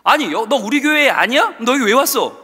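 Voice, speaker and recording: A man's voice: very high-pitched, very animated, brisk, sharp tone, slightly rough, pitched above the performer's own voice, exaggerated voice. Pastor playing a grumbling, fed-up young man. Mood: indignant. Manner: grumbling, exasperated. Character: young man, fresh out of high school, irritable. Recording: reverberant church sanctuary.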